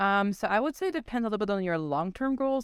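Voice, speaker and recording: A woman with a Dutch accent at a very fast pace, with ordinary pitch variation against a quiet background. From Netherlands. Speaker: PhD student guest. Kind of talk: casual interview conversation. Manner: casual, filler-heavy, laughs often.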